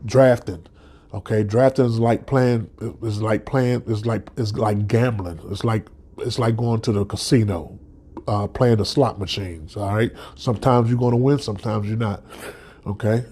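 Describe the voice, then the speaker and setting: A man's voice: fairly low pitch, steady tone, normal speed, warm tone, breathy edge. Stuffed-up man ranting about football. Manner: passionate fan talk, many restarts and "okay?" tags. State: stuffed up from a cold. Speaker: podcast host. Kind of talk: solo sports podcast commentary.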